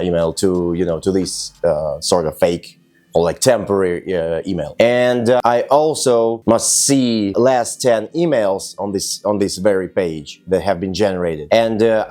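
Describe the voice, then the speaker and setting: Low-voiced man casually reviewing software. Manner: rambling, informal, hedging with filler phrases. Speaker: tech reviewer.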